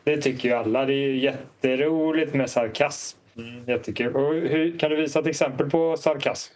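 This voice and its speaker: A man's voice: medium pitch, a little mellow, slight background noise. A man hosting a podcast, playfully steering the talk through jokes and teasing. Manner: playful, teasing, leads the topics. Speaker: podcast host. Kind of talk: podcast chat.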